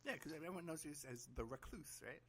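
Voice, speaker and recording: A man's voice: on the high side, lively intonation, a crowd in the background. A man hosting a podcast, talking casually and enthusiastically with lots of fillers. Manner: fast, enthusiastic, frequent laughs and fillers. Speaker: podcast host. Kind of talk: casual interview chat.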